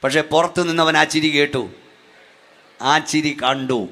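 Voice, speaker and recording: Fervent preaching man, bright high voice. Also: fairly even intonation, unhurried. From Kerala, India. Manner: fervent preaching, rising to shouts, urging clapping and praise. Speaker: pastor. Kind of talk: Malayalam Pentecostal sermon. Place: church gathering at night.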